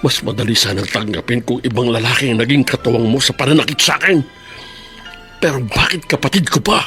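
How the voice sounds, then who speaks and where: A man playing a bitter, jilted older brother in a radio drama, sneering and taunting, with sudden high outbursts. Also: a little fast, pushed and bright, faint music behind, close to an everyday voice. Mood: vengeful.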